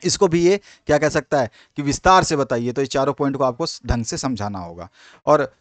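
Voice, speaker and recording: A man's voice: mid-range voice, expressive, a little fast, no room sound. Man teaching an exam revision lesson. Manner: explains step by step, repeats key points, frequent fillers.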